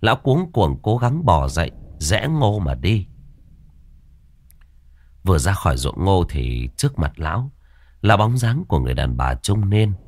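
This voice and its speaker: A man tells a horror story in a deep voice, building suspense. His delivery swings widely in pitch. The sound is close and dry, with no room around it. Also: very animated, a little slow, long pauses, no echo. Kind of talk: dramatic horror story narration.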